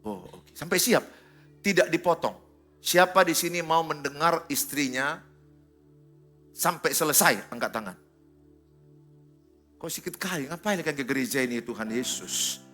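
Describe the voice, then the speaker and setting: A middle-aged male pastor preaching a sermon to a congregation, animated and teasing, swinging from loud exhortation to soft quoted asides. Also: a little high, normal speed, long pauses, faint music behind. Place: church service before a congregation.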